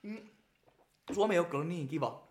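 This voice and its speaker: Young male guest, slightly high-pitched, lively anecdotal chatter with frequent laughs. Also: slight background noise. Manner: animated storyteller, laughs often, many fillers. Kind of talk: casual chat.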